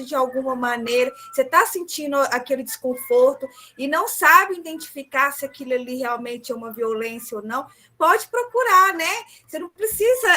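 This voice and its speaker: A woman's voice: high-pitched, pushed and bright. A woman gives information about social services in a hesitant way, breaking her sentences with restarts. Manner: hesitant, many fillers and restarts. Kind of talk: informative talk.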